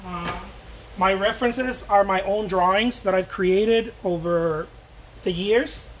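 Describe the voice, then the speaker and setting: A man's voice: high voice, slow pace, a little hiss or hum, poor audio. A man from Mexico chatting casually while he paints live, rambling and joking and answering viewer questions as he goes.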